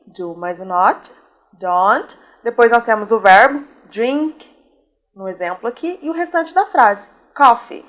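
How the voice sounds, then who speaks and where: A Brazilian woman who speaks Portuguese natively, patiently explaining a beginner English lesson and slowing down for model sentences. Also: a little high, expressive, fairly bright tone. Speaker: English teacher.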